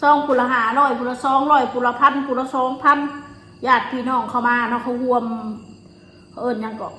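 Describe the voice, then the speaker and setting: In a roomy, slightly noisy recording with insects, a woman speaks in a fairly high voice. She has an Isan accent from northeastern Thailand. She chats casually, telling her stories while chewing. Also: steady tone, brisk, pushed and bright. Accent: Isan, northeastern Thai. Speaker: vlogger. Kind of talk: casual chat, recounting personal stories. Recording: roomy echo, faint noise, insects.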